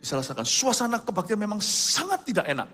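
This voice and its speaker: A middle-aged male pastor telling a testimony in a sermon, with vivid storytelling and sudden quiet asides. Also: high-pitched, huge pitch swings, quick pace, husky. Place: large church hall. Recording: reverberant church hall, soft music behind.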